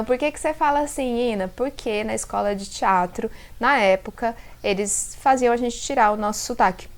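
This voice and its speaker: A woman in her thirties from inland São Paulo state, Brazil, speaks in a mid-range voice with the interior's caipira r. She creates self-leadership content and here records a casual, reflective vlog to camera, expressive and conversational, often speaking straight to her viewers.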